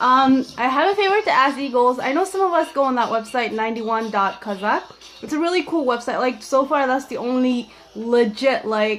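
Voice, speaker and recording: A woman with a Canadian accent speaks at a fairly quick pace in a high, animated voice with lively intonation. Noticeable background noise runs under her speech. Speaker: fan sending a video message. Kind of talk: casual video message to fans.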